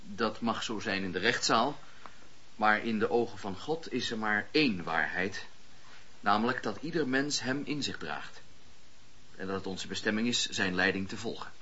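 An actor playing a fervent, earnest wandering preacher of the seventeenth century, declamatory, in a radio drama. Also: male voice, on the low side, expressive, sharp tone, breathy edge, heavily acted. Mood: earnest, assured. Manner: declamatory, impassioned storytelling with dramatic pauses. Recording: dull, lo-fi radio play recording.

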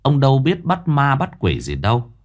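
A man narrating a ghost story in an expressive, dramatic way. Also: medium pitch, normal speed. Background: faint music.

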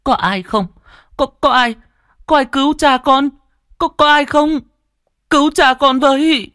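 A man's voice: measured pace, bright, forceful tone, no echo, studio quality, exaggerated voice. Sobbing, frightened little boy. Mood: desperate. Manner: sobbing, high and desperate. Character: small frightened boy crying for help.

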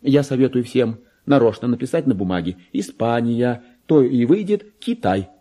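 An actor playing a deluded clerk who believes he is a king, in a pompous, erratic, theatrical radio monologue that swings from hushed to shrill. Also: expressive, normal speed, close to an everyday voice. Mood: self-important. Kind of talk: dramatic literary monologue, Russian radio play.

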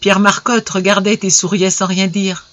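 A narrator reading an old story aloud in a measured, expressive way. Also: mid-range voice, no echo.

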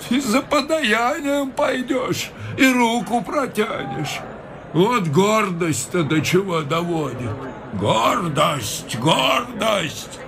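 An actor playing a smug old official who preaches slowly and breaks into shouts. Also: male voice, sits high, a little hiss or hum, full character voice. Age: older. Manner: slow sermonizing, breaks into shouts. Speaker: official in a radio play. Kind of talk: 1950s-style radio drama acting. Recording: radio play with music behind.

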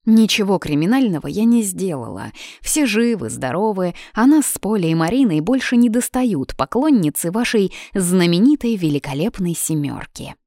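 A bold young redheaded student, cheeky and stubborn, put on by a woman reader. She fires back indignant retorts, her voice lifted higher and louder than the narration. The read sounds close and dry. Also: sing-song, dry recording. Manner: indignant, quick retorts, brightly raised voice. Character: feisty red-haired young woman student, cheeky and defiant. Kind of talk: audiobook character reading.

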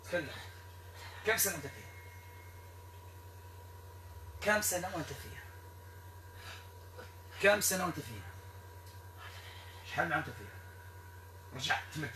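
A man with a Moroccan Arabic accent, performing an exorcism ritual in a stern, repetitive, commanding way that sometimes turns to shouting. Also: a little high, big pitch swings, quick pace, long pauses. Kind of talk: ritual commands to a possessed person. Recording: echoey room, distant mic, noisy.

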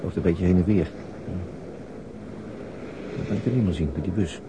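An actor playing a weary, worried police detective in a radio drama, with a husky voice and a brooding, measured manner. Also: male voice, deep voice, background noise, lightly acted. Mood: watchful.

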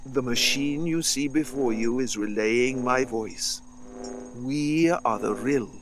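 A man voicing a calm, formal alien creature who speaks through a small machine, slow and measured. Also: medium pitch, noisy background, voice pushed down, natural voice.

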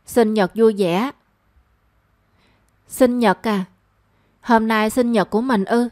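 A woman reading a romance story aloud as narrator, in a measured and expressive storytelling manner. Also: medium pitch, no echo, studio quality.

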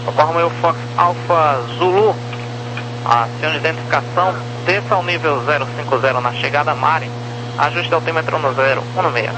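Higher-voiced Brazilian male radar controller on radio. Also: normal speed. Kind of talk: air traffic control radio instructions. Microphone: radio transmission. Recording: humming, noisy air traffic radio.

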